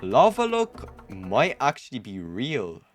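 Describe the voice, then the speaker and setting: A man's voice: medium pitch, huge pitch swings, slow pace. A young adult man giving casual gameplay commentary to camera as the host of a gaming video. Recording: music behind the voice.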